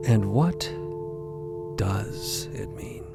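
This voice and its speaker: A man voicing a grave undead leader in an audio drama, struggling to breathe, with halting, deliberate speech. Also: lowish voice, lively intonation, loud music behind the voice. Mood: grave, weary. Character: faltering undead leader, grave, straining to live. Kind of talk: audio fiction acting.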